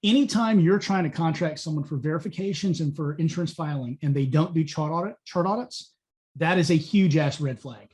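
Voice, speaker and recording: A man with a somewhat higher pitch hosts a business podcast interview. He is blunt and opinionated, and he often stops to warn listeners in a crude, exasperated rant. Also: fairly quick, darkish tone. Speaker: podcast host.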